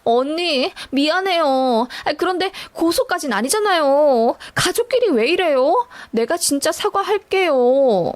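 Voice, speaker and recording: A woman's voice: high voice, animated, a little slow, hardly any pauses. A woman voicing an entitled young sister-in-law in a dramatic story reading, whiny and pleading.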